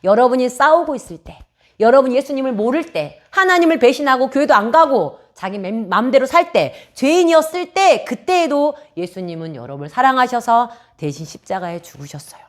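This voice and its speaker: A woman's voice: high-pitched, sing-song, brisk. A woman preaching a children's sermon, telling a story and asking the children questions.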